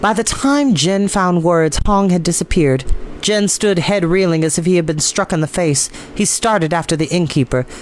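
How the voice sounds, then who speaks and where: A man reading a story aloud as host, with expressive narration. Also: sits high, moderate pace, slight background noise.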